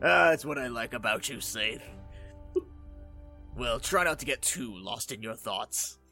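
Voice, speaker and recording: Over faint music in the background, a man does a put-on character voice at a medium pitch, moving at a fairly slow pace with long, frequent pauses. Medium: actual play. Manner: warm, reassuring.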